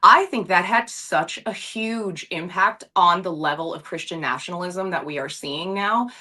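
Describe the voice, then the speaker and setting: A woman in her thirties co-hosts a casual talk show. Her voice sits a touch low but sounds bright and forceful. She is opinionated, quick to rant and quick to laugh. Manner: opinionated, ranting, laughs easily. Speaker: podcast co-host. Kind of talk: casual chat.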